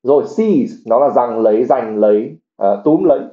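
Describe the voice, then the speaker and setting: A man teaching English reads a novel aloud in a livestream and then explains the words one at a time. His pitch sits in the middle for a man. The sound is narrow and thin, like a phone line. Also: animated, normal speed, dark tone. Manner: reads English passages, then translates and explains each word. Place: livestream at home.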